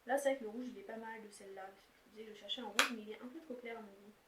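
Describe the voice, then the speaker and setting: A woman's voice: mid-range voice, steady tone, rapid-fire. A young woman showing and swatching her makeup palettes in a casual, rambling chat, full of fillers and restarts. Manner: chatty, rambling, filler-heavy. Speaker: beauty vlogger. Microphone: camera's built-in mic. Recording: echoey room, faint noise.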